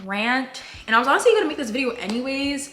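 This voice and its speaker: Over music in the background, a woman with an American accent and a high pitch talks at a very fast pace in a raised, projected voice. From Queens, New York. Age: 20s. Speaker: lifestyle vlogger. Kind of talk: casual talk to camera.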